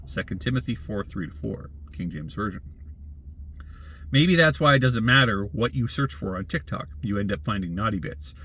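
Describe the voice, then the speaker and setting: A man's voice: on the low side, expressive, normal speed, pushed and bright. A man reads a scripted opinion essay aloud as a commentator, in a wry, sardonic, rhetorical manner. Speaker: blogger and commentator.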